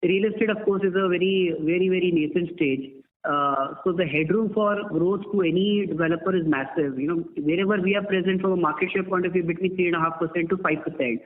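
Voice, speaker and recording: A man with an Indian accent, a company executive answering investors in measured corporate speech peppered with "you know", over a tinny conference line. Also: sits high. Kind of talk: earnings call answers. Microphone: telephone.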